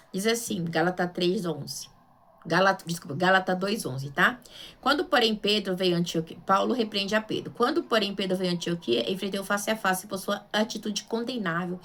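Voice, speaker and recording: With a Brazilian Portuguese accent, a missionary woman preaches an informal Bible sermon, conversational and emphatic, often checking in and asking rhetorical questions. Her medium-pitched voice is a bit bright, and a little hiss or hum is audible.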